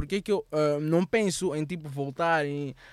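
This man has an ordinary speaking voice with a fairly high pitch and ordinary pitch variation. He talks at a moderate pace in a very clean recording with a silent background. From Mozambique. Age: young. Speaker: videographer and photographer. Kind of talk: casual interview. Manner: code-switching between Portuguese and English.

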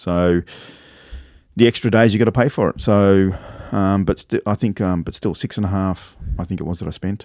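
With an Australian accent, a man speaks at a moderate pace in a fairly low pitch and fairly even intonation. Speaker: podcast co-host. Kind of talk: casual chat.

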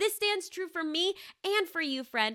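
A woman's extremely high, bright and sharp voice with a Southern US accent, animated and raised to project, swinging very widely in pitch, on a very clean recording with a silent background. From Arkansas. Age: 20s. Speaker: podcast host. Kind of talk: solo testimony.

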